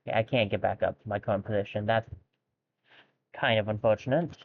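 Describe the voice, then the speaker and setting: The voice is a man's: fairly low, fairly even in intonation, a bit fast, and creaky. He gives laid-back let's-play commentary while streaming a video game, thinking out loud and joking wryly about himself, all on a tinny, phone-like recording.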